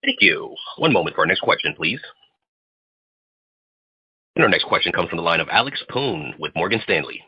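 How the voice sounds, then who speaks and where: A man's voice: deep voice, sing-song, normal speed, long pauses, slightly rough. A man acting as conference call operator, making formal announcements to introduce each questioner. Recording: muffled conference call audio.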